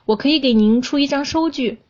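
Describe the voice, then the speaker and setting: A woman's voice: sits high, a little fast, darkish tone, highs cut off, pitched above the performer's own voice, lightly acted. A woman voicing a businesslike male jeweler who speaks firmly and matter-of-factly in a storybook telling. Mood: suspicious.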